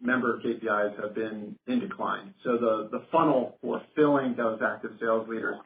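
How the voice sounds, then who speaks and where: A company finance executive reads a formal, scripted financial presentation on an earnings call, his lowish voice steady in tone and paced normally. The conference phone line sounds roomy and phone-like, with slight background noise.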